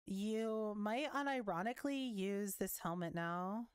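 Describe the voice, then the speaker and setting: A young woman giving casual commentary while reading patch notes, chatty and quick to react, swearing now and then, her voice wearing thin. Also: medium pitch, smooth, no room sound, studio quality. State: losing her voice. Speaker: gaming content creator.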